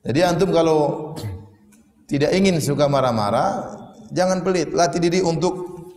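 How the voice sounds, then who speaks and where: An Islamic preacher with a fairly high, darkish voice delivers a sermon at normal speed, telling humorous stories with acted-out quotes and rhetorical questions. The sound carries the long reverb of an echoey hall.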